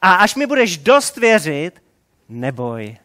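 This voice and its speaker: A man's voice: sits high, sing-song, bright, forceful tone, heavily acted. A man voicing an impatient, preachy Jesus in a mock scene within a sermon. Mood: mock-didactic. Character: impatient lecturing Jesus, male adult.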